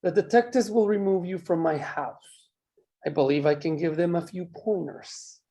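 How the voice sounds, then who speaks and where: A man acting a menacing mine boss in a drama table read, speaking in measured, condescending threats. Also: sits high, warm tone. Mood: cold, threatening. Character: menacing, controlling male mine boss, coolly cruel.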